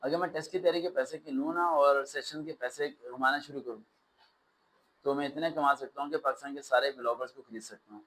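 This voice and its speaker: A man teaching a test-prep class, lecturing in an animated way with sarcastic, ranting asides. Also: medium pitch, fairly quick, poor audio.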